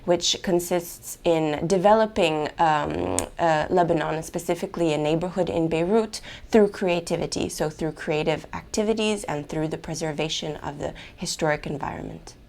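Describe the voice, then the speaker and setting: A woman with a notably low voice talks through her work as a project manager. She explains each point in a steady, measured way. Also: creaky. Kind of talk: testimonial interview.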